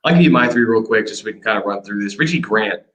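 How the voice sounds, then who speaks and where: A man co-hosting a sports podcast, giving a quick, energetic casual breakdown of draft prospects. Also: lowish voice. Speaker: podcast co-host. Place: hotel room.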